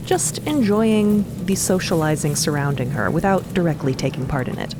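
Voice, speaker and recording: A woman's voice: sits low, expressive, moderate pace, noisy background. A woman narrating a scripted audio drama. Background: clear background music.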